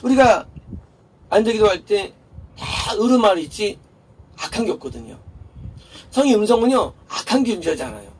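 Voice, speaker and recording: This male pastor's high, darkish, breathy voice is very animated and fairly quick, with frequent pauses. His sermon is informal and conversational, full of rhetorical questions he answers himself and passing laughs, recorded slightly off-mic over faint noise.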